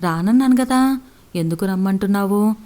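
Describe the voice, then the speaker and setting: A woman's voice: fairly low pitch, a little slow, dark tone, lightly acted. A woman voicing a proud, defiant village wife who speaks firmly and curtly. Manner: firm, curt, decisive.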